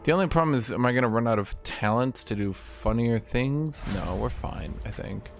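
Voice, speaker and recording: A man's voice: mid-range voice, normal speed. A man streaming a game with casual live commentary, griping and swearing in exasperation. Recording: game music behind the voice. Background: video game music.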